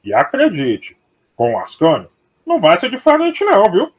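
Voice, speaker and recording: A man's voice: high voice, wildly swooping pitch, moderate pace, husky, full character voice. A man playing a fond, wise old father's ghost in an audio drama, colloquial and paternal. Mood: teasing, fond.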